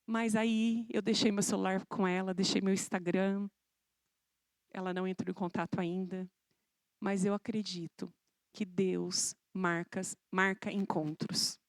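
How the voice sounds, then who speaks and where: A woman from Brazil giving an emotional church testimony, telling her story dramatically and acting out the dialogue, with her voice rising and dropping in loudness. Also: medium pitch, level tone, measured pace, no room sound. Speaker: guest speaker giving a testimony. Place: church service.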